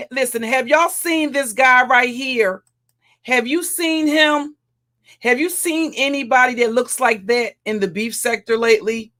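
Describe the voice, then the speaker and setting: Woman streamer, deep heavy voice, taunting and crude, loops back over her own lines. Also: a bit bright. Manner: mocking, insulting, repeats and restarts phrases. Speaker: livestream commentator. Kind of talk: profane roast rant.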